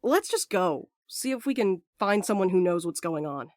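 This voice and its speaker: A woman's voice: lowish voice, big pitch swings, moderate pace, background noise. A woman playing a blunt, impatient night courier in an audio drama, naturalistic and wry. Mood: exasperated, uneasy.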